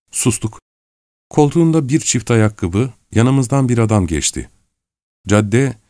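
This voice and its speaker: A man reading a literary audiobook in a measured, introspective way. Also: on the low side, dark tone, dry recording, clean studio sound. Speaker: audiobook narrator. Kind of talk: scripted literary narration.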